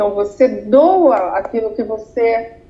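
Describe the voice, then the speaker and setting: Amid noticeable background noise, a woman speaks in a fairly high voice with ordinary pitch variation. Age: 50s. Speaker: coach. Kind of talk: interview.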